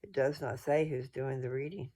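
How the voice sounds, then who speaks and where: A mellow, mid-range male voice with a level tone and normal speed belongs to a drowsy host who yawns as he works through scripture. Addressing his followers, he rambles in a folksy manner and keeps correcting himself.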